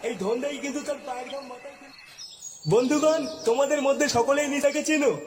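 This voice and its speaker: A man's voice: very high-pitched, steady tone, fast, a little mellow, a little hiss or hum. A man voicing a proud, ceremonious village speechmaker in a comic cartoon, formal and declamatory. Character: proud, ceremonious village orator honouring a mason. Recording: long echoing hall reverb.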